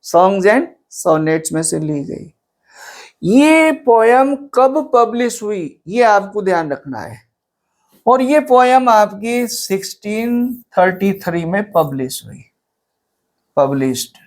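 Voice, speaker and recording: Slow, deliberate teacher. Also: medium pitch, sing-song, a little mellow. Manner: slow, repeats questions back to students and answers them. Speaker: English literature teacher. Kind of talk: exam-prep classroom lecture.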